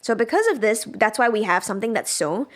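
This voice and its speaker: A woman with a fairly high, very animated voice talks fairly quickly. She's a trainer teaching music production in a casual, chatty livestream, thinking aloud while she demonstrates the software.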